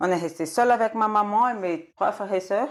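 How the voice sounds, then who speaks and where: Very slowly, a woman speaks with ordinary pitch variation. The recording is very clean, with a silent background. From Brazil, northeast (Recife). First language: Portuguese (speaking French). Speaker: churchgoer giving faith testimony. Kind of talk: testimony interview. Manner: hesitant, many fillers.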